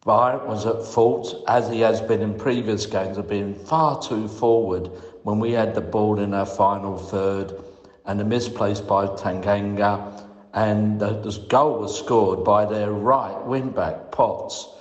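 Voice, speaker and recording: A man's voice: on the low side, steady tone, slow pace, muffled recording. A man leaving a voicemail for a podcast, giving a methodical, critical fan's opinion point by point. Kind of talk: prepared point-by-point match opinion. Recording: echoey, reverberant room voicemail.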